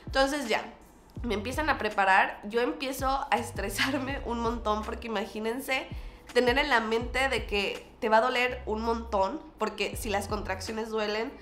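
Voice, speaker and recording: Mexican woman, casual vlog storyteller, fairly high voice, echoey room with faint music behind; lively, acts out the other voices. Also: unhurried. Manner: animated, acts out quoted dialogue with lots of fillers. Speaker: vlogger.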